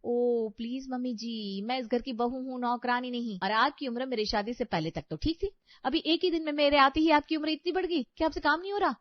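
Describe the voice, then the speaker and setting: A woman's voice: high voice, fairly quick, no room sound, close to an everyday voice. A woman voicing a spoiled, haughty young bride in a cartoon story who is rude and sarcastic to her mother-in-law. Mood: dismissive. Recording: dry, slightly dull audio.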